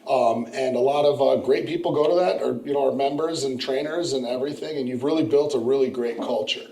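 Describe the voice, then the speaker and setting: Male podcast host, casual and upbeat, mellow tone, roomy echo. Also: mid-range voice, a little fast. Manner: laid-back, enthusiastic, casual. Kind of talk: casual interview chat.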